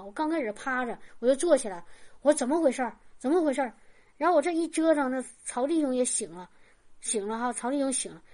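A woman with a high voice preaches a personal testimony to her congregation. She rambles and repeats herself, fills pauses with little verbal tics, and acts out the voices in her story. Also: darkish tone. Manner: rambling, repetitive, full of fillers. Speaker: church preacher giving testimony. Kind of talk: sermon testimony.

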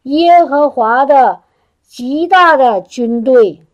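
Woman preaching, high bright voice, animated and exclamatory, repeats herself, sermon delivery. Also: takes it slowly, highs cut off. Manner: animated, exclamatory, laughs often, repeats words.

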